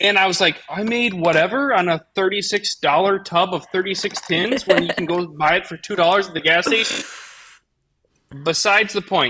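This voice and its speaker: The voice is bright, sharp, raised and projected, moving at a moderate pace with ordinary pitch variation. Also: man, high pitch for a man. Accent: Minnesota. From Missouri Ozarks. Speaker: online influencer. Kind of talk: casual chat. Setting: live stream.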